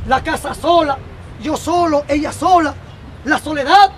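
A man's voice: very high-pitched, a little slow. A man voicing a shameless young man who confesses with a sly, pleading drawl. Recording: outdoor street crowd noise.

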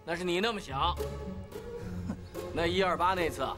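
A man's voice: sits high, a little slow. An actor playing a brash, mocking working man in a period TV drama, speaking with a Beijing accent. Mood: scoffing. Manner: blunt, teasing, scoffing. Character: Beijing barber-rickshaw type Xiao Cui, brash, mocking. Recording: drama soundtrack with music behind.

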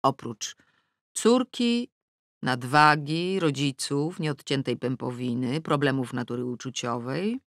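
A middle-aged woman reading a first-person novel aloud, wry and ironic, with sudden rises in pitch on the punchlines. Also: a bit bright, no echo, clean studio sound. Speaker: audiobook narrator. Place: dry recording booth. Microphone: close studio mic.

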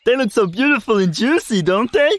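A man's voice: very high voice, expressive, fairly quick, very noisy. An actor playing a childlike, clumsy, eager younger male bear in a cartoon, whiny and exclamatory. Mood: delighted. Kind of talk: animated cartoon dub acting.

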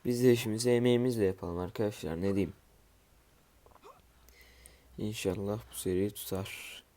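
A man's voice: lowish voice, moderate pace, mellow. A man giving casual let's-play commentary at home, just woken up and groggy, muttering to himself while he builds and tossing asides to viewers. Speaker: gamer streaming his play.

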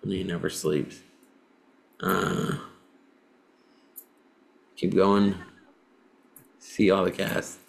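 A woman's voice: extremely low pitch, little pitch movement, drawn-out words, vocal fry, long pauses. A woman co-hosting a podcast, teasing the others playfully in casual chat. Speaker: podcast co-host.

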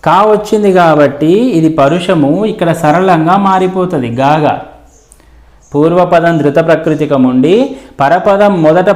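A man's voice: fairly high pitch, reverberant. A male teacher explaining grammar in a lesson, repeating terms and examples and answering his own questions. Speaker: Telugu teacher.

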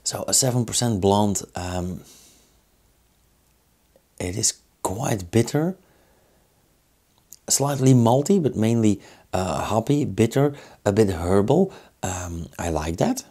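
A man in his thirties from Belgium with a Belgian accent, reviewing a beer in a small indoor studio, thoughtful and unhurried with many fillers. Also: lowish voice, lively intonation, mellow, husky. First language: Dutch.

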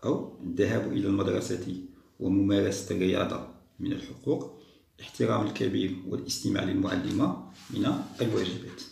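A man patiently walking young schoolchildren through a test, repeating each answer slowly. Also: lowish voice, fairly even intonation, vocal fry, darkish tone, roomy sound. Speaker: teacher solving a school test. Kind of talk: step-by-step lesson for young children.

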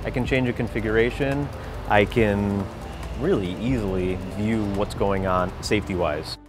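A man's voice: on the low side, moderate pace. A man explaining factory safety systems with enthusiasm, recorded on a large factory floor with a lapel mic. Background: background music.

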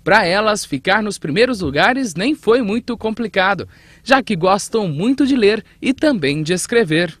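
A reporter narrating a news feature voice-over in a steady manner. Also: female voice, medium pitch, normal speed. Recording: reverberant voice-over.

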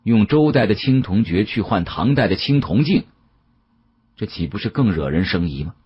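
A man narrating an audiobook as a dramatic storyteller, with an expressive, conversational delivery. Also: on the low side, normal speed, breathy edge, muffled recording.

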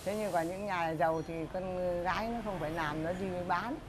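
Picture an elderly woman from the northern countryside speaking with a Bac Ninh village accent, her voice set a little low. She tells her memories in a plain, storytelling way during a casual interview at home. Clear street noise runs behind her throughout. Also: normal speed. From Dai Bai village, Bac Ninh, northern Vietnam. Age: older. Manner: plain storytelling, recites an old saying. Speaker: interviewee, elderly coppersmith family member. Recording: noisy street background.

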